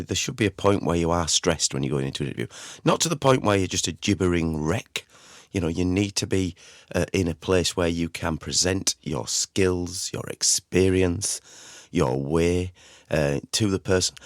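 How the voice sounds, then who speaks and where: A middle-aged man with a slightly croaky voice, hosting a podcast in an informal, rambling, conversational way and often repeating phrases. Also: low voice, dry recording, studio quality. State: recovering from a croaky voice. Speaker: podcast host. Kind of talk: informal solo podcast talk.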